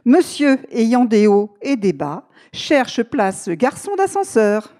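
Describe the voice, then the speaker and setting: A woman's voice: on the high side, very animated, takes it slowly, dark tone. A woman radio host announcing a song and reading out humorous classified ads in a playful announcer manner.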